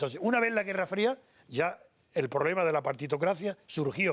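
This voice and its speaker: The man's intonation is lively. He speaks at a moderate pace. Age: 80s+. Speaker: political thinker on a debate show. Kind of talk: studio panel discussion. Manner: halting, with many restarts.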